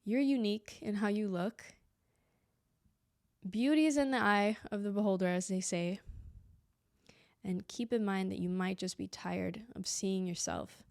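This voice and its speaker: A woman's voice: medium pitch, steady tone, a little slow, pauses often, a little mellow, dry recording, studio quality. A young woman hosting a solo podcast in a reflective, conversational way, sounding a little stuffy and slightly lispy from a dental aligner. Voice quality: a bit lispy from a clear aligner. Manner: reflective, conversational, many fillers and asides. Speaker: podcast host. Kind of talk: casual solo podcast monologue.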